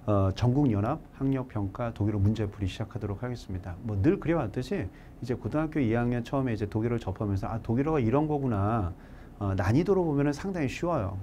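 A middle-aged man teaching German, going through exam questions in a lively, joking lecture that slips into casual speech. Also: mid-range voice, slight background noise.

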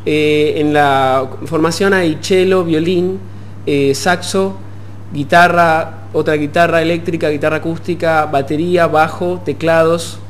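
A young Argentine man with a fairly high voice speaks as an interview guest. He explains things in halting phrases, with faint noise and hum behind him. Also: fairly even intonation. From Puerto Madryn, Argentina. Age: young adult. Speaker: musician guest. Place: TV studio. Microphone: desk gooseneck microphone.

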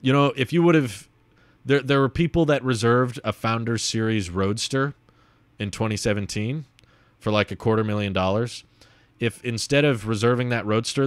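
Low-pitched young man in casual commentary. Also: dry recording. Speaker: video host reading and answering viewer comments. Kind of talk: casual livestream commentary, thinking aloud. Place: small home room set up as a streaming studio, indoors. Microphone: desk microphone on a boom arm, close.

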